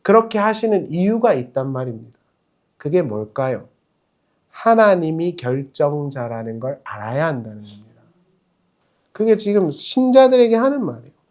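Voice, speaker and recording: A male pastor preaching a sermon in a conversational, lively way, putting rhetorical questions to the congregation. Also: a little high, normal speed. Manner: acts out quoted speech in other voices.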